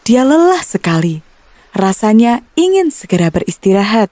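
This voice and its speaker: Children's story narrator: woman, warm and mellow, very lively intonation. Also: on the high side, normal speed. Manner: expressive, storybook-like. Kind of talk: scripted narration of a children's fairy tale.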